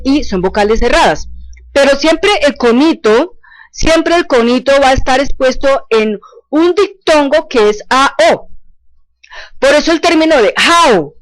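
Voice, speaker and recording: A woman's voice: a little high, no room sound, low-quality recording. A woman teaching an online language lesson, explaining patiently, repeating points and often checking that students follow.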